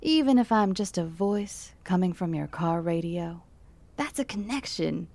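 Chatty late-night radio DJ. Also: female voice, fairly low pitch, expressive, a little slow, vocal fry, darkish tone, dry recording, exaggerated voice. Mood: warm. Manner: chatty, upbeat and intimate.

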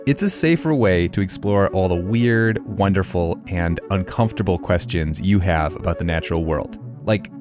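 A man's voice: deep voice, moderate pace, few pauses. A man hosting a podcast, reading a scripted promo in a playful, conversational way. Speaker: podcast host. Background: music.

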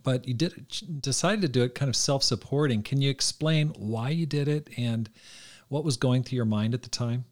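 A man's voice: mid-range voice, normal speed. Curious male interviewer. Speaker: podcast host, interviewer. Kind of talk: interview questions.

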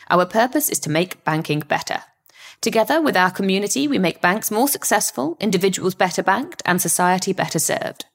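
A woman reading a scripted corporate sponsor message in a polished, measured manner. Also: medium pitch. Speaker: sponsor ad announcer.

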